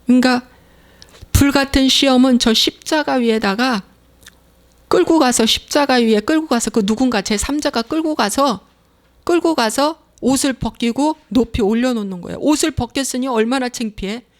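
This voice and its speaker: A woman's voice: high voice, moderate pace. A middle-aged woman pastor preaching a sermon, emphatic and repeating her phrases. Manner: emphatic, repeats phrases, acts out inner voices.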